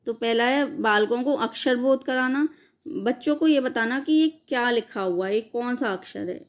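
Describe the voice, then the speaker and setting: A woman teacher giving an exam-prep lecture, explaining step by step and answering her own questions. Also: fairly high pitch.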